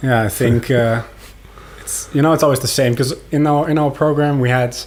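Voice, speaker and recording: In a German accent, a man talks at a moderate pace and fairly high pitch with fairly even intonation. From Germany. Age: 20s. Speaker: physiotherapy educator. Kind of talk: podcast interview.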